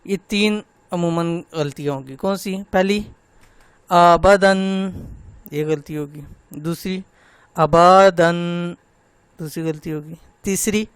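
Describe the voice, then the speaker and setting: A man teaching Quran recitation, slowly spelling out syllables and pointing out common mistakes. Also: fairly high pitch, clean tone, dry recording. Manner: slow, drawn-out demonstration of syllables, then gentle personal talk. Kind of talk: online tajweed lesson.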